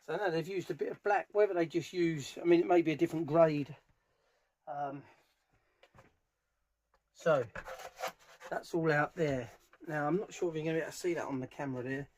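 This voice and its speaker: Bloke muttering through a diy job in his workshop, slightly high voice, noticeable background noise and clicks. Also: fairly even intonation, moderate pace, pauses often, a little mellow. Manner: thinking aloud while working with his hands. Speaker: DIY speaker restorer presenting a how-to video. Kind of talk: informal hands-on workshop commentary. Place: small cluttered workshop, indoors.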